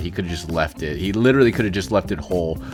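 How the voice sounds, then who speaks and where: A man talks with lively intonation. Music sounds behind him. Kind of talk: casual comedic voice-over narration of a craft tutorial. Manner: casual, joking, offhand.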